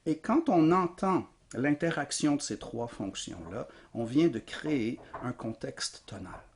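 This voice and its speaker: A man's voice: medium pitch, expressive, measured pace. Man explaining music theory. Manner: explanatory, with frequent fillers. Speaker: music teacher. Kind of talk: recorded lecture.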